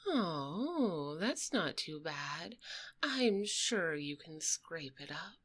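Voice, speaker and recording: A woman acts out a sassy dragoness who collects debts for the mob in an ASMR roleplay. She speaks low and unhurriedly, close and soft on a binaural microphone. Her manner is cool, condescending and quietly threatening, drawing out each taunt. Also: sing-song, drawn-out words, full character voice. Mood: calm, threatening.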